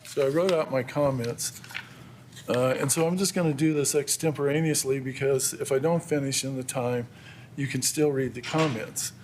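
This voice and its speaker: A man's voice: mid-range voice, moderate pace, darkish tone, slight background noise. An American man giving an extemporaneous public comment at a council meeting. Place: council chamber.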